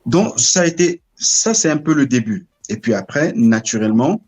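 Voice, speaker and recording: Measured Cameroon-born man, deliberate storyteller. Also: mid-range voice, sing-song, a little mellow. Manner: measured, searching for words. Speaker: guest. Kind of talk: reflective interview storytelling.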